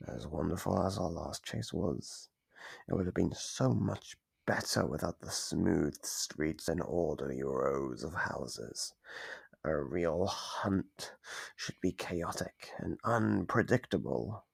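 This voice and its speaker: Man voicing a gravelly, slow, sadistic monster. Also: low-pitched, dry recording, heavily acted. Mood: scornful, eager. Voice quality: gravelly, husky, breathy. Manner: slow, menacing, savoring, mock-gentle taunting. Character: sadistic, playful male monster from under the bed. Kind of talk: ASMR roleplay, scripted monologue. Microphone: close microphone.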